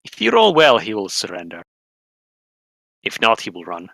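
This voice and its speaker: A man's voice: fairly low pitch, wildly swooping pitch, moderate pace, creaky, a bit bright, no room sound. A man narrating a tabletop role-playing game as game master, switching between formal narration and casual asides.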